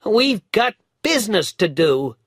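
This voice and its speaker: A man voicing an excited young male shoeshine boy in a storybook reading, talking loud and urgent. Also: sits high, extremely slow, no room sound, clean studio sound, pitched above the performer's own voice, exaggerated voice. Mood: determined. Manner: shouting, breathless, urgent.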